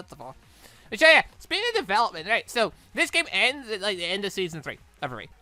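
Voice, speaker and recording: A young man commentates casually on a game in a bright, fairly high voice. He rambles excitably, his pitch jumping around, with faint music behind him. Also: smooth, no echo. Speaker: gaming channel host. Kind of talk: casual Let's Play commentary.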